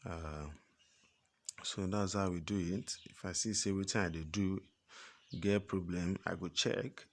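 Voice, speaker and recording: A man with a West African accent speaks Pidgin English as an instructor, giving an informal, patient, step-by-step software tutorial with plenty of repetition. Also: sits low, steady tone, a little slow.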